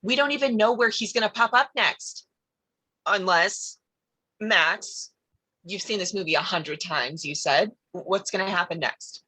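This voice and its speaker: An actress playing a skeptical, sarcastic, blunt teenage girl with a husky voice in a horror comedy script read. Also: medium pitch, unhurried, bright, forceful tone, no room sound, low-quality recording. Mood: exasperated. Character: Vicky, skeptical, exasperated, sharp-tongued teenage girl.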